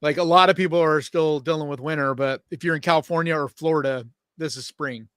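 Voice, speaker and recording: A man co-hosting a podcast in casual chat, loose and profane, with quick upbeat reactions. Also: fairly high pitch, fairly even intonation, fairly bright tone, clean tone, dry recording, studio quality. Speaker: podcast co-host.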